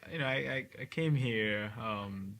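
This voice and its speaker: A man from Cameroon, a neurosurgeon, talking calmly and often checking in with "right?" as a guest. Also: medium pitch. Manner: calm, measured, ends points with "right?". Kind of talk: casual interview talk.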